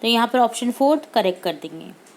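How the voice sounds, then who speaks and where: A woman's voice: on the high side, lively intonation, a little mellow. Patient woman teacher. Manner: patient, repeats answers slowly, mixes in English words. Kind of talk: explaining worksheet answers.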